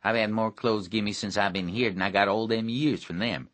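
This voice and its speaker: A man's voice: on the low side, fairly quick, a bit bright, dry recording, lightly acted. A man voicing a neglected, bitter rural teenage boy with a blunt, grim drawl.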